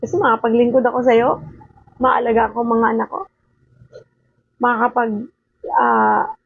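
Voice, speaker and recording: A woman's voice: on the high side, vocal fry, husky, no echo. An older woman at home giving an informal daily devotional talk, earnest and conversational, often checking in with a rhetorical question. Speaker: devotional speaker. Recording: narrow phone-like sound, dry.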